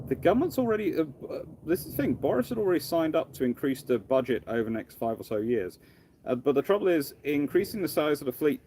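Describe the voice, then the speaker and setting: A man hosting a casual live question-and-answer stream, thinking aloud in a halting, rambling way. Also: medium pitch, warm tone, slight background noise. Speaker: livestream host, naval historian. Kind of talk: casual live Q&A with off-the-cuff commentary.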